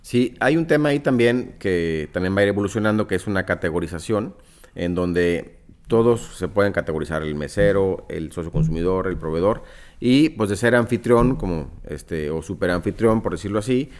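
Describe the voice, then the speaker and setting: A man's voice: low voice, expressive, moderate pace, a little mellow. A man in his thirties with a northern Mexican accent, a startup founder explaining his business in an interview, using examples and many fillers. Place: office meeting room. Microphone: studio mic on desk stand.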